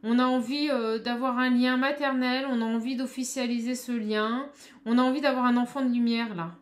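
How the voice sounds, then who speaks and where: A woman doing a card reading for her viewers, talking straight to them and calling out to her spirit guides, with a small high voice. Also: steady tone, normal speed. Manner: addresses viewers directly, exclamatory, calls on spirit guides. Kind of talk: tarot reading to camera.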